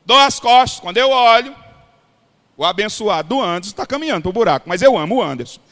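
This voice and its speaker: A pastor from Ceará with a Cearense Brazilian accent, preaching a blunt, folksy sermon to other pastors. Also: male voice, sits high, expressive, quick pace, a bit bright. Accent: Cearense Brazilian Portuguese. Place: large hall at a pastors' retreat. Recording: long hall reverb.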